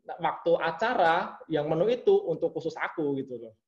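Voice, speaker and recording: A man's voice: a little high, normal speed. A man as an interview guest, chatting casually and acting out the people in his stories. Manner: animated storytelling, acts out quoted bosses. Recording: muffled lo-fi audio.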